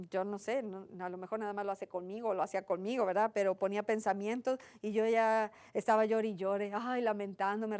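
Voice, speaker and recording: A woman's voice: medium pitch, a little mellow, smooth. A woman giving a conversational Christian sermon, earnest, piling up repeated lists and tag questions. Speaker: Christian teacher.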